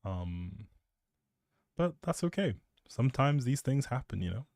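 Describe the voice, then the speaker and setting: A man's voice: medium pitch, sing-song, unhurried, gravelly, darkish tone, no echo. A man chatting casually as a live streamer, rambling in a playful, self-deprecating way into a close microphone.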